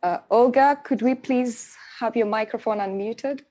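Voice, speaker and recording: A woman's voice: a little high, measured pace, dark tone. A woman hosting an online event with scripted announcements. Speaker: host.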